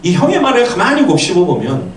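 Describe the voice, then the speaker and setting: Male pastor mid-sermon, high-pitched, swings from quiet to shouted quotes, roomy hall sound. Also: quick pace, distant mic, slight background noise. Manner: animated, acts out angry quotes with sudden loud outbursts. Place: church sanctuary.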